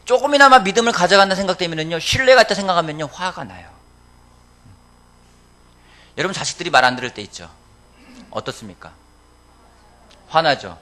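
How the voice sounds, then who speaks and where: A man's voice: high-pitched, animated, fairly quick, long pauses, pushed and bright. A male pastor preaching a sermon, often asking the congregation questions and answering them himself. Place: church sanctuary.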